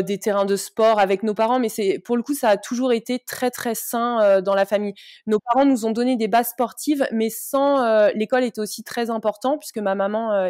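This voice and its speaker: A woman in her thirties, a sports coach from the Paris region, answering interview questions in a friendly, halting way with many fillers. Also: on the high side, darkish tone, dry recording, clean studio sound. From Paris region, France. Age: 30s. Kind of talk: casual interview talk.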